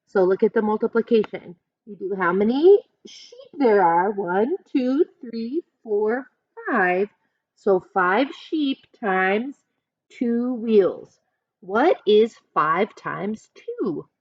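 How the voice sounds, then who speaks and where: A woman teacher reading a picture book aloud to children in an expressive way, pausing to ask listeners questions and coach them. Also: mid-range voice, no echo, dull audio. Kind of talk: animated children's read-aloud with teaching asides.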